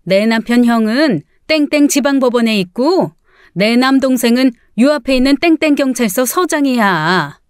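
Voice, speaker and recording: A woman's voice: fairly high pitch, expressive, normal speed, smooth, no echo, studio quality, lightly acted. A woman voicing a fierce middle-aged mother who scolds and bluffs in an audiobook story. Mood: defiant. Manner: sharp scolding, blustering bluff.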